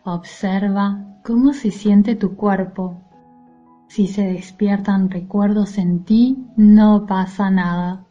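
Slow, mellow female meditation guide. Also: medium pitch, steady tone, highs cut off. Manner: soothing, gentle, soft-spoken. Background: music.

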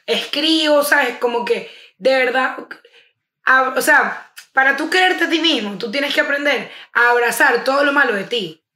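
Venezuelan woman, podcast co-host, casual slangy chat, bright tone, roomy echo. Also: sits high, normal speed. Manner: chatty, full of slang and fillers.

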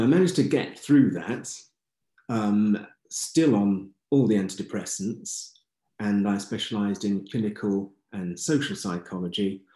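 A well-spoken English man in his sixties, his voice sitting on the low side. He tells his own story plainly and candidly at a measured pace. The sound carries noticeable room echo. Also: warm tone. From England. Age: 60s. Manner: measured, candid, matter-of-fact. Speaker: interview guest. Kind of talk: reflective life-story telling.

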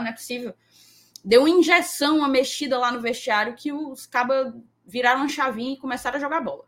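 A woman's voice: a little high, fairly bright tone. A woman co-hosting a live sports stream, chatty and playful, reading viewer comments aloud. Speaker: podcast co-host. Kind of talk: casual live-stream chat.

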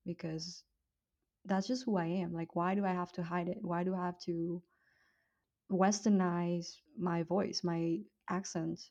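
A woman's voice: on the low side, flat delivery, unhurried, a little mellow, lo-fi sound. A woman with a Vietnamese accent, chatting with her co-host on a podcast and laughing easily. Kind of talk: casual chat.

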